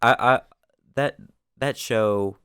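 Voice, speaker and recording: A young man co-hosting a podcast in casual chat, enthusiastic and quick to jump in. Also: medium pitch, fairly bright tone, clear, resonant tone, no echo, clean studio sound. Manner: enthusiastic, chimes in often. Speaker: podcast co-host.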